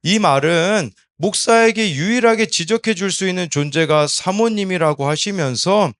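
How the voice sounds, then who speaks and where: A man in his thirties, a pastor, giving an early-morning Bible devotional in a measured, explanatory way and addressing the congregation. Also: high-pitched, fairly bright tone. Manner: sometimes slips into regional dialect speech. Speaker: associate pastor, son of senior pastor.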